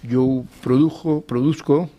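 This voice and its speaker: Cuban-born guy on a radio panel, mid-pitched voice, keeps searching for the right word. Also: steady tone, slow pace, muffled recording. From Cuba. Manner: searches for words, laughs easily. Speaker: think-tank guest. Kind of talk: casual radio panel talk.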